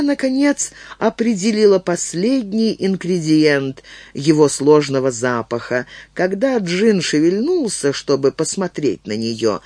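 A man narrating an audiobook in an expressive storytelling manner. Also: fairly high pitch, no echo.

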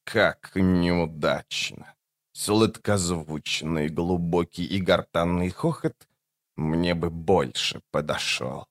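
A decrepit monster of death: low, trembling, drawn-out, mocking. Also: male voice, no echo, clean studio sound. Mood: sardonic. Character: creaky decrepit death-servant monster, sardonic, sluggish.

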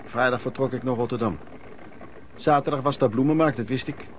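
A man's voice: mid-range voice, fairly quick, a little hiss or hum, natural voice. An actor in a Dutch radio play playing a wry, plain-spoken pedlar recounting his wanderings. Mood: matter-of-fact. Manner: colloquial, matter-of-fact storytelling. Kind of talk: dramatised first-person narration.

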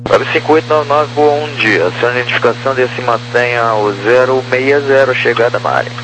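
A man's voice: mid-range voice, brisk. A Brazilian man working as an air traffic controller, giving terse, procedural instructions over a walkie-talkie style radio. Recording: noisy humming aviation radio transmission.

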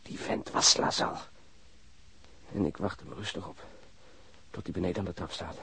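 An actor playing a wounded policeman in a radio drama, speaking halting in strained, broken phrases with a husky, breathy voice. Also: low voice, fairly even intonation, bright, forceful tone, a little hiss or hum, heavily acted. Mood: pained, indignant. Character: wounded policeman recounting being stabbed, shaken but admiring.

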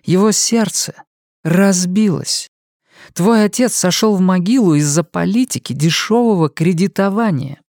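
A man's voice: high voice, expressive, moderate pace, no echo, clean studio sound, voice pushed up. A prim, scolding older mother, as a man voices her. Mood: disapproving. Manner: scolding, prim and sharp-tongued. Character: stern, disapproving older mother. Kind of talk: audiobook character voice.

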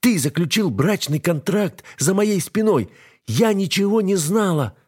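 A man voicing a defiant, frightened young wife in an audiobook, raising his voice high and pleading. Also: expressive, moderate pace, slightly rough. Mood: furious. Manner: pleading, shouting, breaking into sobs. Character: young woman, defiant, scared and furious wife. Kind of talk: audiobook narration.

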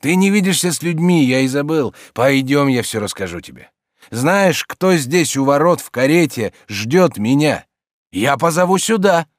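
A man voicing an energetic, loyal friend who presses urgently and insistently, in an audiobook reading. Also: on the high side, normal speed, dry recording, clean studio sound, pitched above the performer's own voice, close to an everyday voice. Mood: urging.

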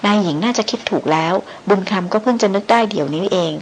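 A woman's voice: medium pitch, quick pace, slight background noise, lightly acted, rough recording. Woman reading old local tracker guy, blurting and stammering, storybook. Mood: excited.

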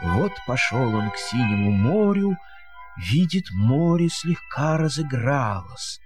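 Guy reading a verse fairy tale, theatrical and slow, pitch swings all over, bit of music under it. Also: very animated. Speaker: storyteller. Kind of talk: expressive fairy-tale narration.

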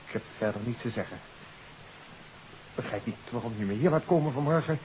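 An actor playing an evasive, nervous suspect in a 1950s radio drama, defensive and indignant. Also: male voice, medium pitch, fairly quick, close to an everyday voice. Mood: agitated, indignant. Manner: defensive, agitated. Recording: muffled 1950s radio recording with hiss.

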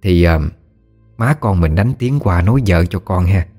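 A man's voice: low-pitched, moderate pace, dark tone, faint music behind. A man with a Southern Vietnamese accent voicing an elderly rural widowed mother who fusses and scolds affectionately. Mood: coaxing. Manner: homely scolding, folksy exclamations.

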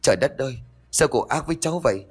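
A man's voice: fairly low pitch, lively intonation, moderate pace. A man voicing a sly, cowardly young lodger who whines and pleads in a spoken ghost story. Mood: wailing. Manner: whiny, pleading.

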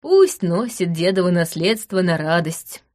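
A woman reading an audiobook voices a plain-spoken older male jeweler in an unhurried, homely way. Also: fairly low pitch, expressive, darkish tone.

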